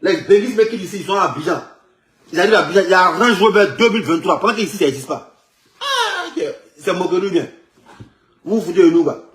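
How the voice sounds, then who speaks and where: A man with an Ivorian French accent speaks quickly in a slightly raised voice. He loops back over his own phrases and keeps the talk animated and rambling. His voice comes through an echoey room. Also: high-pitched. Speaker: man in a circulated video clip. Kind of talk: rambling street commentary.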